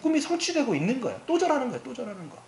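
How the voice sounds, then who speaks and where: A male pastor preaching a sermon in an animated, storytelling way, often asking the congregation questions. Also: very high voice, rapid-fire. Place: church sanctuary. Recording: echoey hall with faint background hiss.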